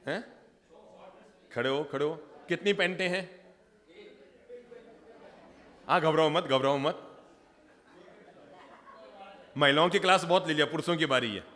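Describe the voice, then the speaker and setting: A man's voice: fairly high pitch, unhurried, long pauses, sharp tone. Humorous preaching man in a reverberant hall. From Rajasthan, India. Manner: humorous, engages audience directly. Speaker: Jain monk preacher. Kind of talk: sermon.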